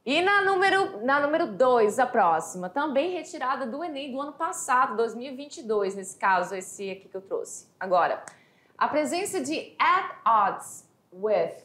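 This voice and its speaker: Animated Brazilian woman teaching, echoey room. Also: high-pitched. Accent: Brazilian Portuguese. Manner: animated, chatty, reads English quotes slowly. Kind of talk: exam review lesson.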